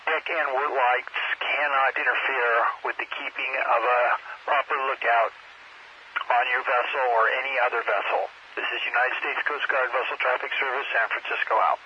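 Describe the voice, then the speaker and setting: A male coast guard operator delivers a safety broadcast over marine radio. He reads in a measured, official manner at a middling pitch. The transmission is dull and band-limited, with light hiss. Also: fairly even intonation. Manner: measured, reading an official notice. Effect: marine VHF radio.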